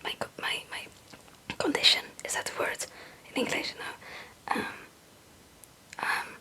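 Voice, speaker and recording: A young woman, a native Dutch speaker, whispering breathily in a rambling, halting, casual ASMR chat. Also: pushed and bright. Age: young adult. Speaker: ASMR video creator.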